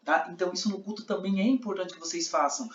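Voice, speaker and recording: Guy teaching an interpreting class, kinda high voice, keeps checking in with the class, echoey room. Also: quick pace, highs cut off, slight background noise. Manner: explains with many checks like "tá?" and demonstrates lines aloud. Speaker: sign language interpreting teacher.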